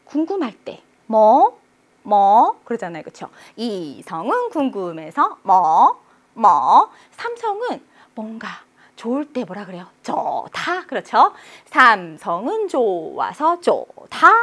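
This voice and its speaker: A woman's voice: on the high side, a bit bright. A woman teaching a language lesson, explaining tones and sounding each one out in long drawn vowels. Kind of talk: online exam-prep lecture.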